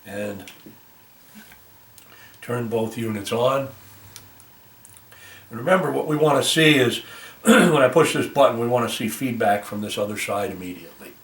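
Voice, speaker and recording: A man giving a casual hands-on repair demonstration as a volunteer technician, talking haltingly and thinking aloud as he works. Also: medium pitch, expressive, fairly bright tone. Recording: roomy, noisy, distant microphone.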